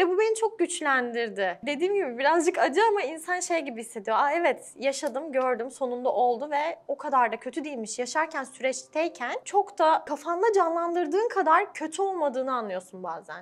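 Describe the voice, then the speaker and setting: A woman's high-pitched, fairly quick speech with very wide pitch swings and hardly any pauses. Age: 30s. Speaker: influencer and entrepreneur; influencer. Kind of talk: interview about personal experience. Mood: reflective, candid. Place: studio. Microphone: lapel.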